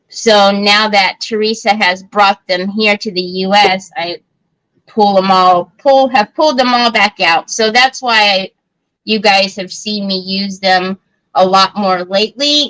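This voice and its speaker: A woman's voice: mid-range voice, sharp tone, clean tone, low-quality recording. A woman hosting a live crafting stream, chatting casually and answering viewer comments with lots of fillers and restarts. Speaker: craft livestream host.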